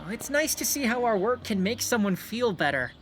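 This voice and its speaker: A woman's voice: fairly high pitch, sing-song, brisk. A woman voicing a self-important sixth-grade boy detective who talks in a formal, pompous way with fancy words. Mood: confident. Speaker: narrator and lead character. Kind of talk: audio drama acting. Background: music.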